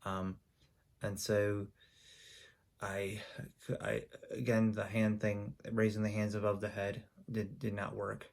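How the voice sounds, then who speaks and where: A YouTuber tells a personal story for his video channel in a low, gravelly voice with a flat, even tone. His delivery is halting, full of ums and restarts.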